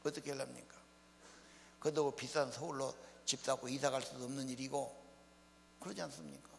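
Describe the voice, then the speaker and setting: Brisk and gravelly, with a mid-range pitch and fairly even intonation, an older Honam-region pastor preaches folksily in a church hall. He asks the congregation rhetorical questions between plain remarks. Hall reverb and mains hum are present.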